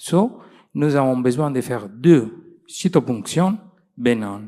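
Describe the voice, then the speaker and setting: A man with an Italian accent speaks very slowly, his dark, mellow tone carried by lively intonation. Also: medium pitch for a man. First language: Italian (speaking French). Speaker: doctor. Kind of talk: lecture. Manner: halting.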